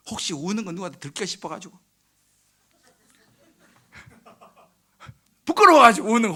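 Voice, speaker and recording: A middle-aged male pastor preaching a sermon in church, telling stories lively, acting out prayers and dropping from loud bursts to hushed near-whispers. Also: high voice, creaky. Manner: animated storytelling, acts out quoted prayers and crying. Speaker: senior pastor. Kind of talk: sermon at a midweek service. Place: church sanctuary.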